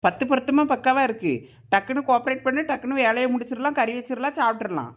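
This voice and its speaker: A woman's voice: on the high side, fast talker, dull audio, lightly acted. Woman voicing a teasing village elder sister. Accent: Thoothukudi Tamil. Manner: teasing, wheedling. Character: cheeky older sister grating coconut.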